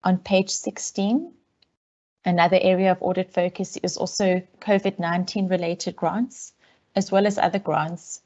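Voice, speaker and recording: A woman auditor, heard over a video call line, gives a measured, businesslike briefing to a council committee, with frequent ums. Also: fairly low pitch, steady tone, a little mellow. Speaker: external auditor presenting a report. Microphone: remote call audio. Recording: dull, lo-fi call audio.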